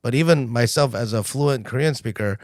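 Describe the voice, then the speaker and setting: A man's voice: medium pitch, fairly quick, dry recording, clean studio sound. A man hosting a casual podcast chat, asking questions and telling stories with frequent ums. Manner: animated storytelling, frequent ums. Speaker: podcast host.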